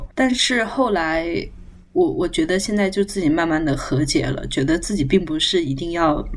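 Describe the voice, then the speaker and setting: Noticeable background noise accompanies a woman speaking. Her intonation is lively, and her pace is moderate. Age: 20s. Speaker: podcast co-host. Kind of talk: casual chat.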